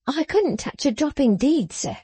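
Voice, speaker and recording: Shy humble mum answering softly , woman reader doing her, mellow and dry. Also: high voice, sing-song, normal speed, no echo, voice pushed up. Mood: meek. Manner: meek, deferential, soft. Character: timid, humble working mother, polite and shy.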